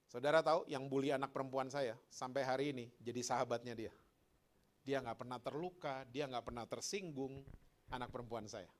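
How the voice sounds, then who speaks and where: A man's voice: medium pitch, brisk. A middle-aged man, a pastor preaching a sermon in a conversational way, with slang and rhetorical questions.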